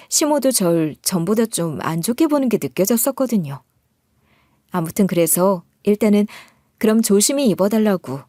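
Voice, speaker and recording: A woman's voice: mid-range voice, dark tone, no room sound, studio quality. A woman narrating a first-person story in an aggrieved, confiding tone.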